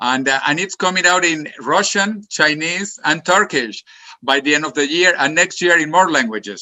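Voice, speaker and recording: Here a man with a Spanish accent talks at a moderate pace. His pitch is fairly high and his intonation lively. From Venezuela. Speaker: futurist and author. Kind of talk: interview.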